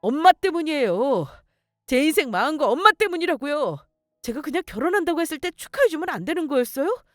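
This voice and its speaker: A woman's voice: sits high, very animated, brisk, no room sound, studio quality, faint music behind, pitched above the performer's own voice. A woman voicing a whiny young fiancé. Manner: whiny, pleading.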